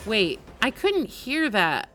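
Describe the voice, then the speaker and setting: Female game streamer: unhurried, lively intonation, casual reactive commentary, faint music underneath. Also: on the high side, slight background noise. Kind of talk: casual live gameplay commentary.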